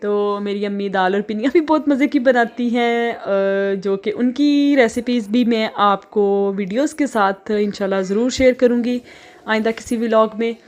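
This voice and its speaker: A young woman from Pakistan with a Pakistani Urdu accent, chatting casually in a home vlog with many filler pauses. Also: on the high side, darkish tone. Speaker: vlogger.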